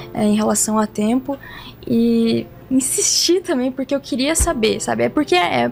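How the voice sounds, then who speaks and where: Over music in the background, a woman speaks at a moderate pace with very even loudness. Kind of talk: interview testimony. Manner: casual, halting with fillers.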